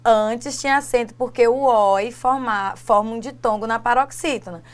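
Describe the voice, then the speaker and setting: A woman's voice: a little high, normal speed. A woman teacher from Brazil explaining spelling rules in a lesson, often adding tag questions as she goes. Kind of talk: classroom lesson dialogue.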